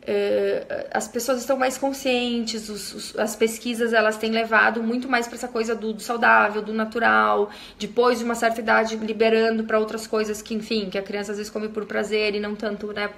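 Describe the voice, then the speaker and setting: Brazilian lady on a live stream, chatty, reads comments out, a bit gravelly, higher voice. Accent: Brazilian Portuguese. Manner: chatty, reads comments aloud and answers warmly. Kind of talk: casual live chat reading viewer comments.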